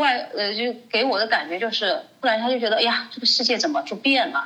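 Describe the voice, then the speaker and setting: A woman with a fairly high pitch talks at a fairly quick pace, with hardly any pauses. Noticeable background noise is present. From China, Jiangxi. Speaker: businesswoman in foreign trade. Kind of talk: interview, life story.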